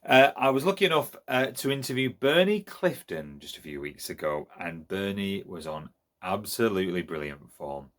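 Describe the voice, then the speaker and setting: A man's voice: low-pitched, sing-song, moderate pace, a bit bright. A man hosting an interview, enthusiastic and full of praise, with many hesitant fillers. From Lancashire, England. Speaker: host. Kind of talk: casual interview chat.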